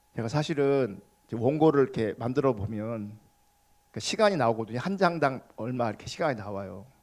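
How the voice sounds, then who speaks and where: A man at a medium pitch with lively intonation and a fairly quick pace. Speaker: pastor. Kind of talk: sermon. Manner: fast.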